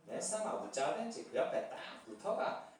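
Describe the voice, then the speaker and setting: A man voicing a rustic countryman with a Gyeongsang dialect, reciting slowly and emphatically. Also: fairly high pitch, very animated, darkish tone, a little hiss or hum. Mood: hearty. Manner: slow, emphatic, laughing through it. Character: gruff rustic southeastern man reciting a psalm. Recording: echoey church hall from far off.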